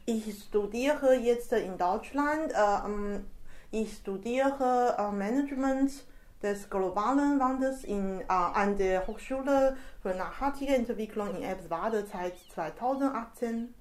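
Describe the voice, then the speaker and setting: A woman's voice: fairly high pitch, takes it slowly, darkish tone. A young woman from Taiwan, a master's student who is a guest on a podcast, speaking hesitantly with many fillers as she searches for words. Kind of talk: casual podcast interview.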